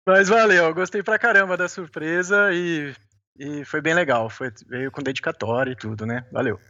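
A man's voice: a little high, normal speed, bright, forceful tone. A man with a Brazilian accent, a guest talking in an easygoing, chatty way and heard over a phone line. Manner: easygoing, chatty, sprinkles "né" and small laughs. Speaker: podcast guest, beginner mountaineer. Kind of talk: casual interview chat.

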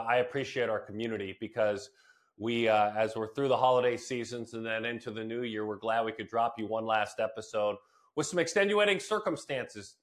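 A man with a mid-pitched voice hosts a sports podcast in an earnest, conversational way. He often doubles back on his words to stress them as he talks. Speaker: podcast host.

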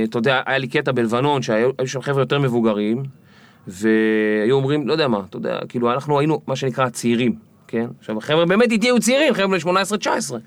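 Animated man telling stories, dry sound. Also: mid-range voice, dry recording. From Israel. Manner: animated, acts out the people in his stories. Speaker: podcast guest. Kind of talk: storytelling interview.

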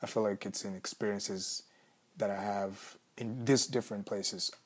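A young man from Congo with a Kenyan accent, a musician answering interview questions in a thoughtful, searching way with restarts and soft laughs. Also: on the low side, steady tone, moderate pace. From Congo, raised in Kenya. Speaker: musician, former refugee.

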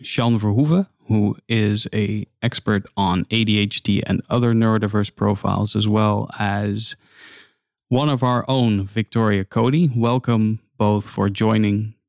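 A man hosting a workplace podcast who introduces guests politely, with a slightly hesitant delivery. His voice is low and smooth. The recording is close and dry. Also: fairly even intonation, measured pace, darkish tone, no echo. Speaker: podcast host. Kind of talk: hosting interview.

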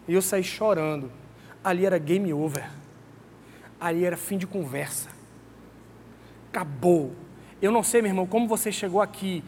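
A man preaching a sermon in a conversational, emphatic way, often calling out to his listeners. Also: high-pitched. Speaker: pastor. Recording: long hall reverb, faint background noise.

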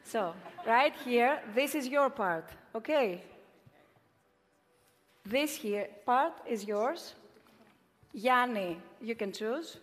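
A woman moderating an event informally, in a halting way. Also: a little high, lively intonation. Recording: echoing hall.

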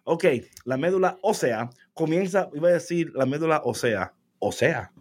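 A man's voice: a little high, animated, moderate pace, a little mellow, husky. Playful, laughing man reading aloud. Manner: playful, laughs often, mixes English into Spanish; jokes about words he reads. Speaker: co-host. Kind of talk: casual chat, reading aloud.

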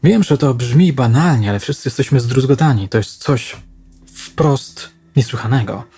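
A man's voice: mid-range voice, lively intonation, normal speed, warm tone, breathy edge, no echo. Man voicing a mild, evasive male teacher. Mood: subdued.

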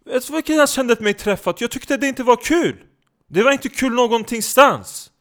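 A man voicing a brash, excitable comedian who speaks loud, broken Swedish. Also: sits high, voice pushed up. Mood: indignant. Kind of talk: comedy podcast sketch.

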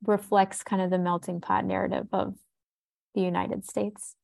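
Woman podcast host with a creaky voice. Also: medium pitch, level tone, moderate pace, darkish tone. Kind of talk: casual interview.

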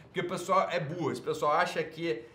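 A man's voice: on the high side, steady tone, fairly quick, roomy sound, a little hiss or hum. Sarcastic Brazilian man ranting on a livestream. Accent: Brazilian Portuguese. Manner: sarcastic, insulting, swings from muttering to shouting. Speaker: livestream host.

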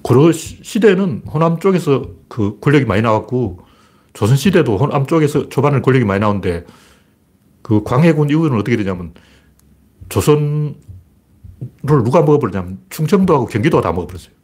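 A man with a slightly husky, mid-pitched voice holds forth in a loose political monologue. He talks bluntly and emphatically, repeats phrases for effect, and his pitch rises and falls in lively swings. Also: a little fast. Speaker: political commentator.

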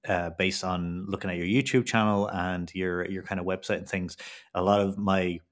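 Podcast host guy, really low voice, lots of ums and uhs. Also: fairly even intonation, normal speed. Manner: hesitant, many fillers and restarts. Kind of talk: casual podcast interview.

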